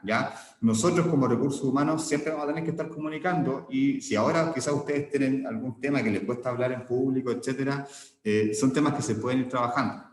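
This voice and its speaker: A man teaching an online class, explaining step by step with frequent check-ins and small restarts. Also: medium pitch. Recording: echoey room with long reverb.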